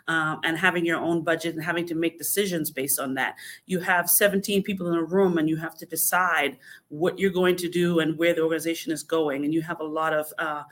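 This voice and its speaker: A woman from the Bahamas, a podcast guest, answering interview questions in a measured, explanatory way with frequent fillers. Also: fairly low pitch, a bit bright.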